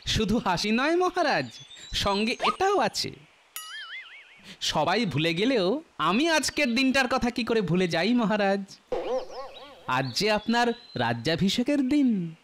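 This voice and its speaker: A man voicing a witty, sly middle-aged village jester in a cartoon, teasing and smoothly flattering. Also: high voice, a little slow, pauses often, a little hiss or hum, full character voice. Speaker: court jester. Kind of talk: cartoon voice acting.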